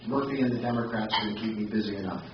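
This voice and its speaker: A man's voice: lowish voice, rapid-fire, background noise. A man giving a pointed campaign speech at a forum. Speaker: candidate at a forum. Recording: echoey hall, far mic, muffled.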